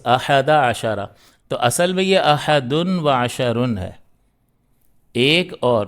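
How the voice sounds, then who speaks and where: Guy teaching a grammar class, smooth clear voice, asks questions then answers them himself. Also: on the high side. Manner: explains step by step, asks and answers his own questions. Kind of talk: grammar lesson.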